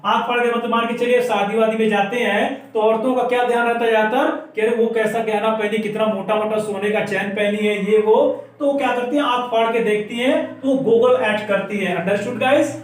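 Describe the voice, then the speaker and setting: Very high-voiced male teacher, echoey. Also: steady tone, recorded from a distance. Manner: explains patiently, repeats words slowly for dictation. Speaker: English teacher. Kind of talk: classroom-style language lesson. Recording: very echoey room, voice off-mic.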